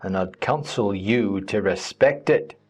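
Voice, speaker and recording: A surly, rough young farmhand, as a male reader puts him on. He growls his words slowly in a lowish voice, with guitar under the reading. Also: a little mellow. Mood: growling. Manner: growled, slow.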